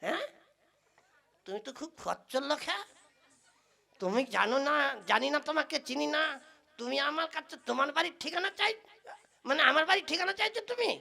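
A woman's voice: high voice, expressive, a little fast, vocal fry, long pauses, sharp tone, heavily acted. A woman playing a cheeky, greedy male tea seller who stalls and teases in an exaggerated comic puppet play. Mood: scolding, indignant. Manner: exaggerated, teasing, long-winded.

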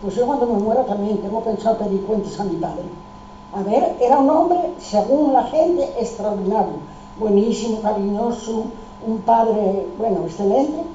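An older woman tells her family's story emphatically, restarting her sentences and taking on each person's lines. Her voice is dark and mellow. The sound is dull and lo-fi, full of room echo and picked up from some distance. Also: medium pitch, moderate pace, a little hiss or hum. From Spain. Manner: emphatic, restarts often, acts out dialogue. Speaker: oral history participant. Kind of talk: recounting family memories. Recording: roomy, distant, dull lo-fi recording.

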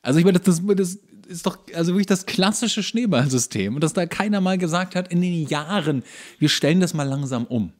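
A man with a slightly high voice co-hosts a casual comedy podcast. He rants conversationally, mixing exasperation with dry sarcasm. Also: expressive, a little fast. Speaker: podcast host.

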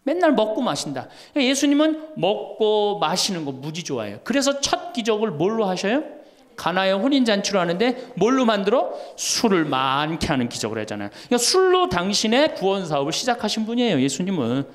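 A man's voice: sits high, very animated, a little fast. A middle-aged man, a Catholic priest, giving a humorous talk to an audience and acting out the voices in his stories. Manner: storytelling, acts out quoted voices, laughs along. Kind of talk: humorous lecture.

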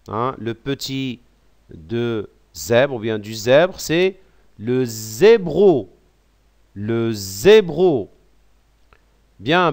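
Male teacher, very slow and deliberate delivery, repeats each word for the class, mid pitch. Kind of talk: slow vocabulary lesson.

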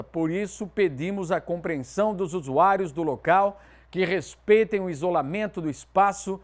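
High-voiced man presenting TV news. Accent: Southern Brazilian Portuguese. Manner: lively, emphatic newsreader delivery. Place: TV news studio.

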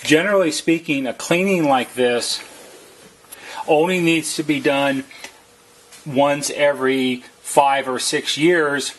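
A man with a slightly husky voice narrates a how-to as a service technician, explaining plainly and methodically, step by step. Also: on the high side, fairly even intonation, slow, a bit bright. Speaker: service technician giving a tutorial.

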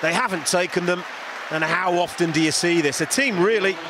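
A man's voice: sits high, crowd noise. Emphatic man analysing football replays. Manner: measured, emphatic, repeats words for stress. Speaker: co-commentator.

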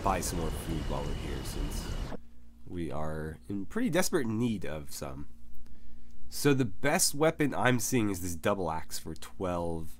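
Deep-voiced man narrating his gameplay. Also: a little slow, slight background noise. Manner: relaxed, thinking aloud with many fillers. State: recovering from lost voice. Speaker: let's play host. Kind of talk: casual gameplay commentary.

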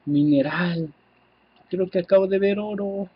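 A man with a Mexican accent giving casual, excitable gameplay commentary, swearing freely and talking to his viewers. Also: sits high, unhurried, slightly rough, highs cut off. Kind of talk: casual let's-play commentary.

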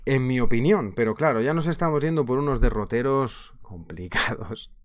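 A man in his thirties with a Spain Spanish accent, teaching a live online trading class in a chatty, animated way, laughing often, from a small office on a webcam. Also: mid-range voice, moderate pace. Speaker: trading instructor. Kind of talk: casual live webinar teaching.

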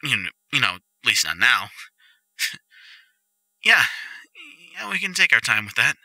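Casting: male actor as goofy, reckless young jock boyfriend for roleplay audio, eager rambler, very bright, hugely animated delivery. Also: medium pitch, measured pace, no echo, exaggerated voice, rough recording. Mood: deflated, reassuring.

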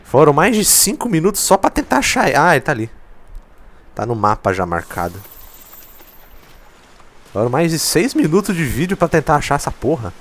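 Excitable man commentating a game. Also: a little high, normal speed, long pauses. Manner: excitable, swears a lot, jokes at the game. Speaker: gameplay commentator. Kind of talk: casual let's play commentary. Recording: faint game music behind.

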